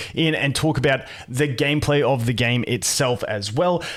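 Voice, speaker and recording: Keeping his loudness very even, a man talks at a fairly high pitch with ordinary pitch variation. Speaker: gaming YouTuber. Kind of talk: sponsored game review. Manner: fast; casual, filler-heavy.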